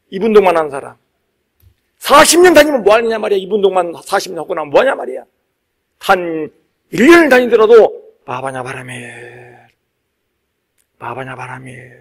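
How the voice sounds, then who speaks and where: A man with a notably high voice gives a Buddhist sermon as a monk. He stresses key phrases by repeating them and slips into conversational asides, checking that his listeners follow. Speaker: Buddhist monk giving a dharma talk.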